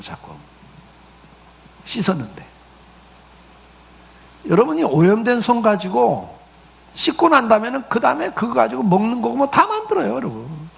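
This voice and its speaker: Male pastor, middle-aged, conversational sermon, rhetorical questions, raspy fry, slightly high pitch. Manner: conversational preaching with acted quotes and rhetorical questions.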